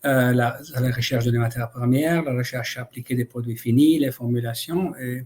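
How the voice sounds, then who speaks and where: Noticeable background noise accompanies a man speaking fairly slowly at a medium pitch with fairly even intonation. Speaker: cosmetics scientist, lab co-founder. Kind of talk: webinar presentation. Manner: halting, many hesitations.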